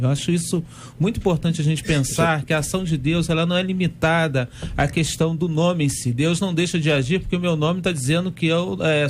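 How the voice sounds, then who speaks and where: A man's voice: on the high side, slight background noise. A man on a radio debate panel, speaking earnestly with a preaching tone.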